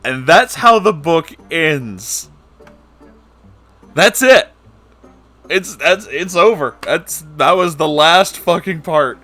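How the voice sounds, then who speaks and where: A man's voice: on the high side, lively intonation, slow, pauses often, bright, forceful tone, soft background music. A man giving casual, sweary commentary on a book as host, sarcastic and emphatic in his delivery. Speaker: host of a book reading series.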